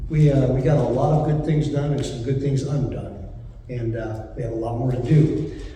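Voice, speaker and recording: With noticeable background noise behind him, a man speaks at a moderate pace with a fairly high pitch and fairly even intonation. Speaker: state legislator. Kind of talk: public talk at town meeting. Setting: indoor meeting with audience, microphone. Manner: loud; halting with fillers.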